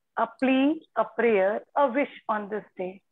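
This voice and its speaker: Lively intonation marks this woman's unremarkable speaking voice, which sits at a fairly high pitch. Her pace is fairly slow. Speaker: segment anchor. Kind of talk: compering an online poetry event. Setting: video call.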